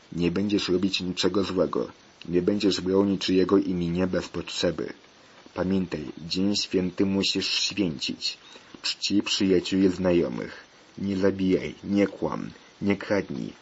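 A man doing a slow, preachy lawyer. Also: low voice, darkish tone, slightly rough, full character voice. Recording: dull lo-fi recording, faint hiss.

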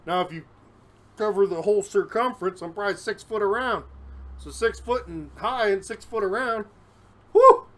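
Man, home vlogger, rambling and self-deprecating, higher-pitched voice, a touch winded, self-shot on a phone. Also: a bit bright. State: a little out of breath. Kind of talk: casual solo vlog. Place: his home. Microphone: phone camera, recording himself.

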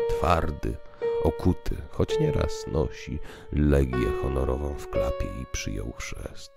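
A man voicing a calm, grave priest telling visionary tales in a solemn, deliberate, oratorical way for a dramatized audiobook. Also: very deep voice, gravelly, exaggerated voice. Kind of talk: dramatized literary audiobook reading.

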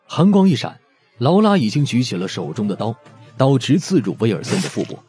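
A man's voice: mid-range voice, very animated, brisk, a little mellow, faint music behind. A man narrating a scripted audiobook story expressively.

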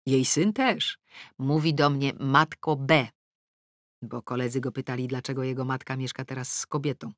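A middle-aged woman reading a novel aloud in the first person, with wry, lively comic timing. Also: extremely low pitch, dry recording, studio quality. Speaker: audiobook narrator. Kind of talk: first-person audiobook narration. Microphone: close studio mic.

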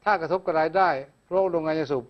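A man from northern Thailand co-hosts a casual news talk show, talking bluntly and quickly. His voice sits a bit high and he reads out news items in a rough, slangy way. The sound is dull and lo-fi. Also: steady tone.

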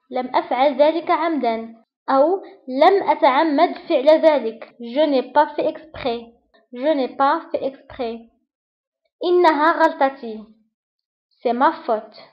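A woman teaching French phrases. She reads the quickly and repeats each French phrase slowly. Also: sits high, lo-fi sound. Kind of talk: French lesson for Arabic speakers.

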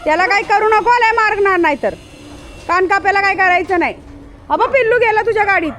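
A woman's voice: very high-pitched, fairly quick, a bit bright, slight background noise. A woman, talking to her pet dog outdoors in a coaxing, repetitive, sing-song way. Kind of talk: casual coaxing talk to a dog.

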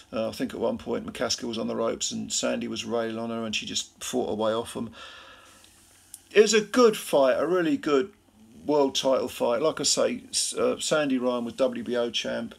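A man's voice: mid-range voice, creaky, husky. A tired man from Britain giving a rambling, casual recap of a boxing fight late at night, full of fillers and restarts. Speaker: boxing commentator.

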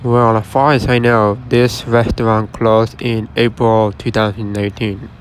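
A man's voice: on the low side, flat delivery, unhurried. Casual man filming a closed restaurant. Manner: chatty, matter-of-fact, addresses viewers directly. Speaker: vlogger exploring closed stores. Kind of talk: casual walkthrough commentary. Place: outdoors at a shopping center storefront. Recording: faint outdoor traffic noise.

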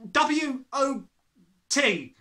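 Man as a high-pitched, brave little schoolboy. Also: expressive, extremely slow, pushed and bright, full character voice. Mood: flustered. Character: brave, nervous little schoolboy answering back. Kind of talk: storybook character reading.

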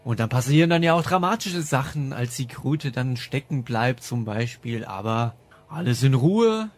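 A man's voice: mid-range voice, animated, normal speed. A man hosting a podcast, reviewing in a casual, chatty and enthusiastic way with a ready laugh. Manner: enthusiastic, laughs often while talking. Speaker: podcast host reviewing audio dramas.

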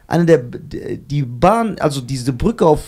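A young man from Germany telling a story on a casual podcast, animated and laughing at himself as he acts out the voices of the people in it. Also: on the high side, takes it slowly. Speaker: podcast co-host.

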